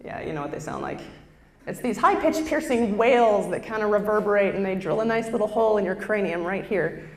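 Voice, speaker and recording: A young woman with a very low contralto voice, doing a chatty, self-deprecating stand-up routine on a lapel mic on a live stage. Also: a little fast, darkish tone, a little hiss or hum. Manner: self-deprecating, chatty, with frequent fillers and restarts. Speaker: stand-up comedian. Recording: roomy hall reverb, faint ambience.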